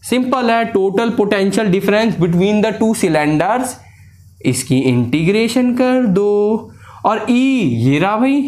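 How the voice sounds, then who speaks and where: A man teaching physics at a board, walking students step by step through a derivation and mixing English formula terms into his speech. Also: high-pitched. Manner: talks students step by step through a derivation, calling them sir and beta. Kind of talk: blackboard lesson. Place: classroom at a board.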